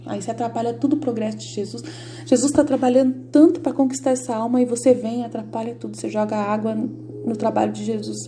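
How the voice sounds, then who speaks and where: A Brazilian Catholic lay teacher with a Brazilian Portuguese accent gives informal, emphatic devotional teaching, her voice a little high and dark in tone over slight background noise. She addresses her viewers directly and repeats her points again and again.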